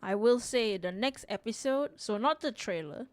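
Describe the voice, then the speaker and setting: A woman's voice: a little high, animated, normal speed, dry recording. A woman from Singapore hosting a live drawing stream, chatting casually, reading chat aloud and rambling with frequent restarts. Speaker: livestream artist host.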